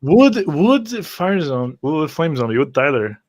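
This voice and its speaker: A man's voice: a little high, very animated, takes it slowly, darkish tone. A man speaking casually as a player in a tabletop roleplaying game. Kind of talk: casual chat.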